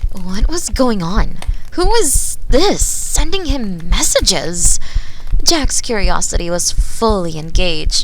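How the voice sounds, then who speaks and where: A woman reading a story in a soft ASMR narration style, gentle and measured, close on a binaural microphone. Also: medium pitch, slight background noise, low-quality recording. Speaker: storyteller reading bedtime stories as sleep aid.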